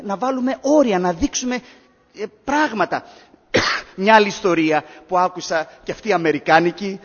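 A man preaching a sermon to a congregation, telling stories with emphatic rises and quiet drops. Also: high voice, slightly rough. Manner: storytelling, rising emphatic then dropping to hushed. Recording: echoey hall, dull lo-fi sound.

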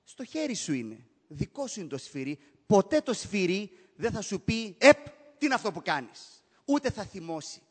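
A man preaching a sermon, impassioned, swinging from quiet reflection to loud exclamations. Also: high voice. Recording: long hall reverb.

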